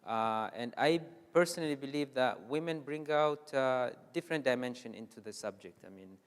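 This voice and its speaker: A man speaking on a panel, measured and hesitant with many fillers, in a conference hall. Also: medium pitch, clean tone. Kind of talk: panel discussion.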